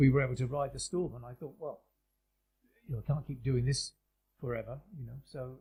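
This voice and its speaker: With a British accent, a man speaks at a fairly quick pace and medium pitch in a dark, mellow, somewhat breathy tone, his intonation fairly even, his loudness swinging widely and his speech broken by long, frequent pauses. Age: 60s. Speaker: podcast host and small business owner. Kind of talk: casual interview conversation.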